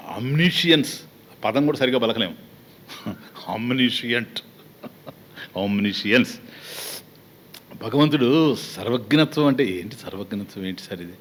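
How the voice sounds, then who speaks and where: A man's voice: mid-range voice, slight background noise. A man with a Telugu accent giving a spiritual discourse as a swami, talking conversationally with many rhetorical questions and acted-out little exchanges.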